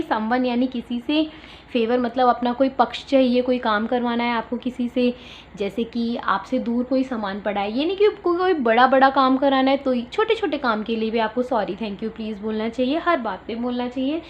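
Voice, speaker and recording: High-voiced Indian woman teaching small children. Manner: explains each English phrase slowly in Hindi, coaxing. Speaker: primary school teacher. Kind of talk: online class for young children. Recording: dull lo-fi home recording with faint noise.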